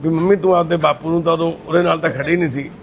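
A man speaks in a gravelly, fairly high voice, soothing and reassuring as he consoles a woman. Background noise is clearly heard on the call. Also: fairly even intonation, very fast. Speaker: charity volunteer. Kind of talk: consoling conversation.

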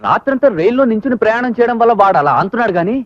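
An excitable young roommate with a high, lively voice. He talks fast and exclaims through the comic banter. The recording is dry and dull. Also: no room sound. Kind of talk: film comedy acting.

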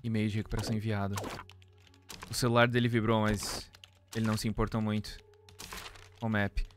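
A man's voice: fairly low pitch, level tone, fast talker, soft background music. A man in his thirties with a Brazilian accent, giving casual playthrough commentary, musing aloud and reading out screen text. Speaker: game streamer.

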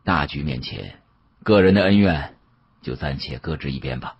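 A man reads a novel aloud with dramatic flair. His voice is deep and heavily husky, moving through animated rises and falls in a colloquial storyteller's manner. The recording is close and dry, though somewhat dull. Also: moderate pace, no room sound. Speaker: audiobook narrator. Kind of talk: dramatic first-person novel narration. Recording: muffled, dull lo-fi audio.

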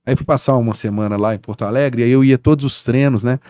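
A man's voice: mid-range voice, fast talker, dry recording, clean studio sound. A man from Brazil, a sports journalist guest on a casual podcast, telling stories animatedly and tagging his sentences with little asides. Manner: animated storyteller, frequent "né, cara" tags.

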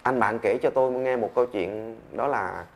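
A man telling a story in a steady, measured narrating voice. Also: mid-range voice, vocal fry. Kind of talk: scripted storytelling.

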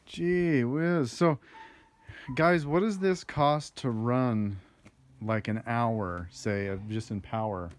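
A man's voice: mid-range voice, slow pace, slight background noise. A man touring an outdoor sawmill, asking curious, easily impressed questions into a handheld phone camera. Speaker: video host touring a sawmill. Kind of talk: casual on-site questions.

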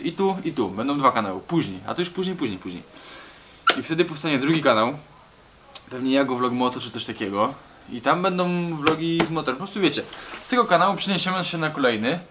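A man's voice: mid-range voice, pushed and bright, slight background noise. A young man talking casually to camera in a small garage, rambling and slangy, often calling his viewers buddies. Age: young adult. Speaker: vlogger. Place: small garage with brick walls.

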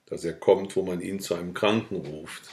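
A man's voice: deep voice, normal speed, echoey room. A man reading the lines of a blunt, earthy old village woman who speaks in a scolding, matter-of-fact way.

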